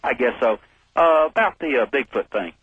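A man's voice: mid-range voice, lively intonation, normal speed, husky, no room sound. A man in his forties calling in to a radio show, speaking politely and folksily, with some hesitation and fillers. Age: 40s. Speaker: caller. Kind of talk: call-in radio chat. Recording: tinny phone line on radio.

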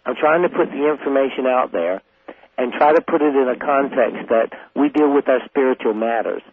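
A man in his forties from South Carolina, a radio guest talking in a calm, earnest, long-winded way. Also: medium pitch, a little fast, breathy edge, no echo. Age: 40s. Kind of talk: call-in radio conversation. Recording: tinny phone line.

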